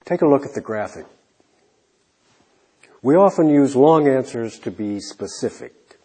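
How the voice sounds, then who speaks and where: A man teaching an English lesson, slowly modelling questions and answers for learners. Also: medium pitch, lively intonation. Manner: modelling example answers clearly, trailing off softly. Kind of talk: slow, deliberate classroom instruction.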